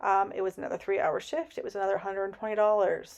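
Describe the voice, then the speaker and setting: Her pitch medium, a woman talks with an American accent. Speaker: planner vlogger. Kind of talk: casual voiceover chat. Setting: home voiceover recording. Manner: fast; casual, filler-heavy.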